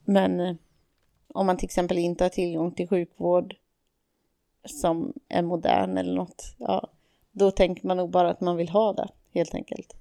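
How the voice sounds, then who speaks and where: A woman co-host talks things through in an unhurried, reflective way, pausing often with fillers and restarting her sentences. Her voice sits low and gravelly, with a dark, mellow tone. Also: flat delivery. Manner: hesitant, many fillers and restarts. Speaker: podcast co-host. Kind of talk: casual reflective discussion.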